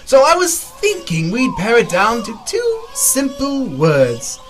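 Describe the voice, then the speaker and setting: Shrieking manic clown supervillain. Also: male voice, very high voice, wildly swooping pitch, slow, over music, heavily acted, poor audio. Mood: manic glee. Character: manic sadistic clown supervillain, gleefully cruel, taunting.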